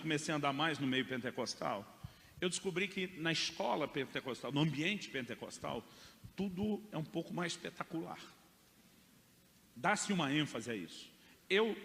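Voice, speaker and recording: A man's voice: on the high side, creaky, a bit bright. A male pastor with a Brazilian Portuguese accent telling a personal testimony in a chatty, conversational sermon style. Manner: conversational storytelling, addresses listeners as "irmão". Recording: echoey hall with faint noise.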